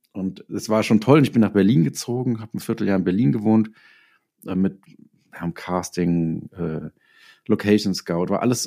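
Male interview guest, relaxed dark tone on the low side, informal anecdotal delivery with pauses. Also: creaky. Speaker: interview guest, writer and director. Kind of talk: casual personal storytelling in an interview.

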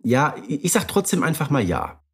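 A man's voice: fairly high pitch, big pitch swings, moderate pace, breathy edge. A man co-hosting a podcast, agreeable and matter-of-fact in casual chat. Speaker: podcast co-host.

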